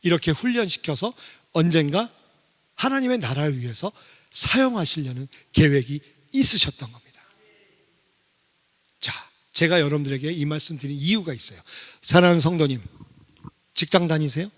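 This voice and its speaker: A middle-aged man giving a sermon testimony as a guest revival speaker. He speaks in an animated way and poses questions to the congregation. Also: on the high side, moderate pace, pauses often. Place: church sanctuary. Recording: long reverb of a church hall.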